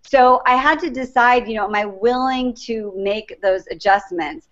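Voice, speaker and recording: Middle-aged woman coach, higher voice. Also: moderate pace. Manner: earnest, reflective storytelling. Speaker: guest life coach. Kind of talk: interview answers, personal story. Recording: dull lo-fi recording.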